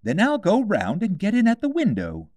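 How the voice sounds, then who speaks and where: High-pitched, fussy storybook rabbit. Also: male voice, huge pitch swings, normal speed, a little mellow, no room sound, exaggerated voice. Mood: determined. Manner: muttering, fretful, snapping orders.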